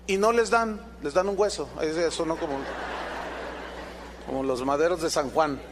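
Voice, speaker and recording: A man's voice: fairly high pitch, moderate pace, background noise. A man preaching a sermon as pastor, emphatic and full of rhetorical questions to the congregation.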